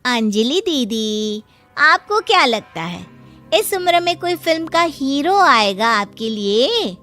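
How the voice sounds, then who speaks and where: Sarcastic young cartoon sister-in-law, voiced by a woman; needling, high voice. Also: big pitch swings, slow, sharp tone, faint music behind, heavily acted. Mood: mocking.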